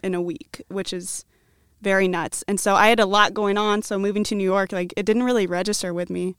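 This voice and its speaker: A woman's voice: mid-range voice, fairly even intonation, a little fast, clear, resonant tone, dry recording, clean studio sound. A woman in her twenties from the American Midwest, chatting casually as a podcast guest in an upbeat, talkative way. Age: 20s. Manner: chatty, upbeat, many likes. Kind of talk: casual chat.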